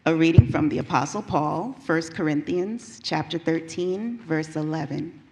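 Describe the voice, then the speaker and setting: A woman reading scripture and scripted narration in a measured, recited way for a church readers' theater. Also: low voice, animated. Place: church sanctuary during a live service. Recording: distant, echoey hall with faint noise.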